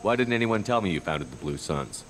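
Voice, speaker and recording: A man's voice: low voice, lively intonation, fairly quick. An actor playing a stern, principled male military commander in a video game, speaking firmly and with measure. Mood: measured curiosity. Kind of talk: cinematic video game acting. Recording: dramatic music behind the voice.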